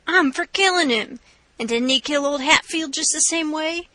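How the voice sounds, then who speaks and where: A woman's voice: high-pitched, normal speed, sharp tone, no room sound, voice pushed up. A woman voicing a blunt, hotheaded male robber in a storybook reading. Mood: insistent. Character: hotheaded male river robber, eager to kill.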